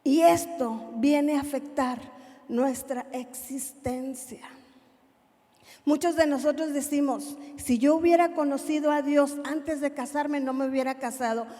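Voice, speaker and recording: A woman with a Mexican Spanish accent preaching a sermon, impassioned, moving from hushed to loud. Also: sits high, steady tone, unhurried, long reverb tail.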